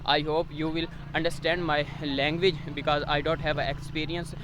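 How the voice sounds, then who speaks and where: A man whose first language is Urdu talks to the camera outdoors in hesitant English, pausing often on filler sounds. His voice sits a little high. Faint traffic and outdoor noise run underneath. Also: level tone. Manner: halting non-native English, frequent uh fillers. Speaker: vlogger. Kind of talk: casual outdoor vlog. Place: outdoors in a village near a road.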